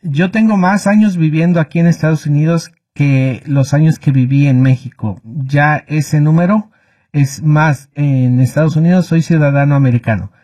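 Panelist, husky, measured and earnest. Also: male voice, fairly high pitch, dark tone. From Mexico. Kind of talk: sports talk show discussion.

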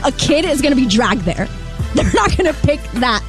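A woman with a high voice co-hosts a sports radio show, arguing her point and then rattling off game scores. A clear music bed runs under her. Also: very animated. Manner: argumentative then brisk score rundown. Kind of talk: casual debate and sports update reading.

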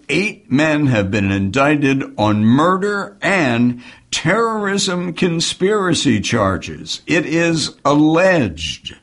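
Slow, measured male radio newscaster. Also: a little high. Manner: measured, steady news delivery. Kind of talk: news reading. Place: radio studio. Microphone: studio microphone.

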